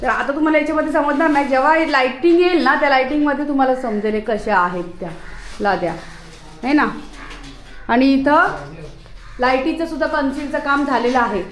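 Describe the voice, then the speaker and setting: A woman vlogging casually from her house under renovation, chatting and calling out loudly to her dog. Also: sits high, a little fast. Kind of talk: casual home vlog.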